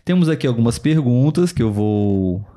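A man's voice: mid-range voice, animated, moderate pace, mellow. A man with a Brazilian Portuguese accent, hosting a podcast in a casual, chatty way with many fillers and asides to his co-host.

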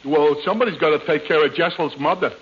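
An actor playing a dim, hesitant stooge comedian in a 1940s radio comedy, halting and dopey. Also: male voice, on the high side, close to an everyday voice. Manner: halting, dopey, feeds corny jokes. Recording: muffled hissy 1940s radio.

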